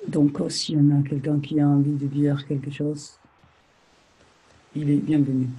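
A man with an Argentine accent hosting a casual online group chat, talking in a relaxed, hesitant way with many fillers. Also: a little high, normal speed, slightly rough, poor audio. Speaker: session host.

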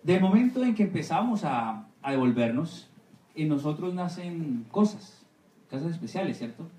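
A missionary pastor giving a Sunday school sermon, often asking the congregation for agreement with amen and right. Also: male voice, a little high, sing-song, normal speed, warm tone, recorded from a distance. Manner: asks the congregation for assent, repeating amen and right. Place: church hall. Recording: echoey room, voice from off-mic.

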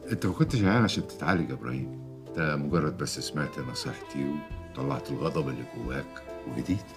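A man's voice: rumbling low, very fast, over music. An actor playing a self-assured man reassuring a friend, with an Egyptian Arabic accent.

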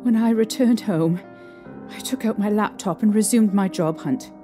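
A woman playing a frightened young mother in an audio drama, recounting a haunting with halting, emotional delivery. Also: medium pitch, natural voice. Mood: uneasy recollection. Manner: halting, emotional storytelling with trembling pauses. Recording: eerie music behind.

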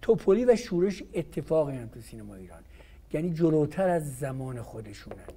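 A man's voice: fairly high pitch, very animated, warm tone, slight background noise. A male host leading a casual interview, prompting his guest with short questions and remarks.

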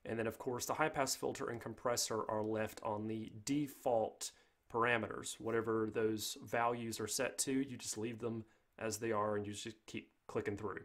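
A man narrating a software tutorial in an informal, step-by-step way. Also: lowish voice, steady tone, normal speed. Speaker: tutorial host.

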